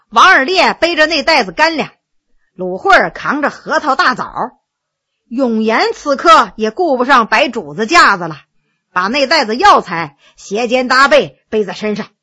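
A woman telling a traditional tale aloud in an animated, rhythmic, dramatic way. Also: high-pitched, a little slow, breathy edge. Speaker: storyteller. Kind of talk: traditional oral storytelling.

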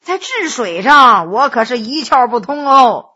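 Jovial scheming scholar, male, teasing and boastful, played by a woman narrator; husky, animated. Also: on the high side, measured pace, dull audio, exaggerated voice. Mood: flattering. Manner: teasing, boastful, many interjections.

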